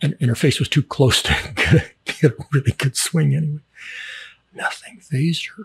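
A somewhat breathy man talks with lively intonation, recorded dry and close with no echo. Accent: American. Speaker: podcast host. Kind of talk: casual monologue. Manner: rambling, conversational.

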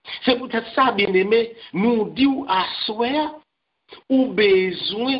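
With a Haitian accent, a man speaks at a very slow pace. His pitch is high and his intonation is lively. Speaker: pastor. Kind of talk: sermon. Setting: church broadcast on radio.

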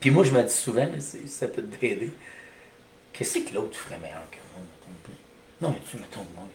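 A man talks at a moderate pace with long, frequent pauses. His loudness swings widely, and the room echo is audible. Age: 30s. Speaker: comedian and gym owner. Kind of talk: casual chat. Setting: video livestream. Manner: animated.

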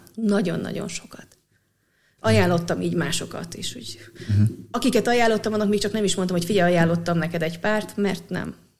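A woman talks fairly quickly at a medium pitch. Her intonation is lively and her voice shows vocal fry. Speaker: wedding photographer. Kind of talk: casual interview chat.

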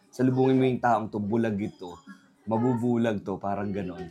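A medium-pitched male voice at a moderate pace with ordinary pitch variation, over noticeable background noise. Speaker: podcast host. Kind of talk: casual chat. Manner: casual.

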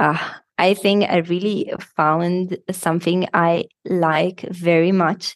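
A woman with an Italian accent speaks at medium pitch with monotone, flat intonation. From Naples, Italy. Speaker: computational designer. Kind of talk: interview conversation. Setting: office meeting room, call.

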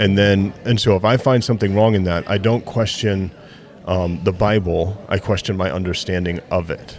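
With an American accent and an unremarkable speaking voice, a man talks at a moderate pace and a fairly low pitch with fairly even intonation. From Montana. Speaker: podcast co-host, Army veteran. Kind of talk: casual chat.

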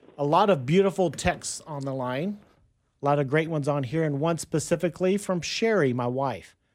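Using a normal speaking voice, a man talks at a moderate pace. His fairly high pitch shows ordinary variation. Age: 60s. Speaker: radio host. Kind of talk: live radio talk show.

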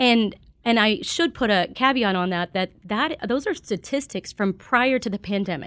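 Against a quiet background, a woman with an ordinary speaking voice talks at a moderate pace in a fairly high pitch with lively intonation. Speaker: behavioral health specialist. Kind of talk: interview.

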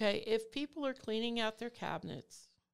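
A woman speaks with an American accent. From New Jersey. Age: 60s. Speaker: nonprofit president. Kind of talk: interview.

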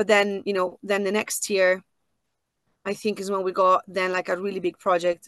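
A woman's medium-pitched voice with an Italian accent, bright and sharp in tone, at a fairly quick pace, dry and close with no echo, over a quiet background. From Italy. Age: 30s. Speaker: translation agency founder. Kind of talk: casual interview.

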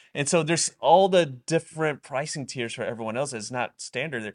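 Against a quiet background, a man with a plain, everyday voice speaks at a moderate pace with ordinary pitch variation, the sound dry and close with no echo. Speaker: dentist, co-host.

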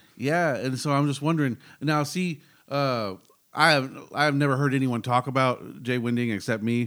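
A man speaks with a Texan accent. His pitch is medium and his pace moderate. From Texas. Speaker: podcast host, musician. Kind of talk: casual interview. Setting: remote call with guest.

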